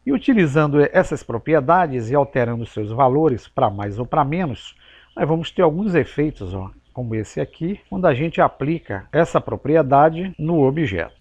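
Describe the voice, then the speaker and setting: Patient man teaching software. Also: fairly high pitch, highs cut off. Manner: patient step-by-step explanation, casual asides. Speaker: software tutorial instructor. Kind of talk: screen-recorded software tutorial.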